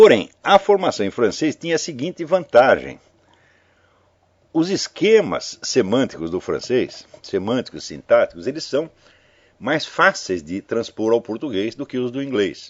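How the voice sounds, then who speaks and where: This man talks at a fairly slow pace with a medium pitch and vocal fry. His pitch swings very widely and his loudness shifts in big swings. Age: 60s. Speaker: lecturer. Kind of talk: lecture. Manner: conversational.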